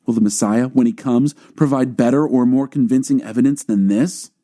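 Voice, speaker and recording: A man's voice: mid-range voice, moderate pace, dark tone, pitched above the performer's own voice, natural voice. A man voicing puzzled, argumentative crowd members who question things in a dramatized scripture audiobook.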